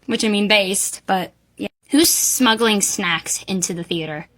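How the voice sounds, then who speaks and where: A woman's voice: mid-range voice, a little slow, fairly bright tone, rough recording. A woman giving casual reaction commentary in an informal, exclamatory way with plenty of swearing.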